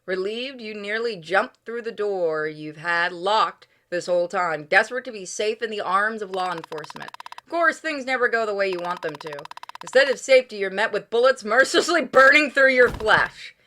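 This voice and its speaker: A woman hosting a gaming playthrough, switching between casual chat and expressive, theatrical read-aloud of the story text. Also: mid-range voice, moderate pace, slight background noise. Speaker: gaming video host reading game text aloud. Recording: music playing behind the voice.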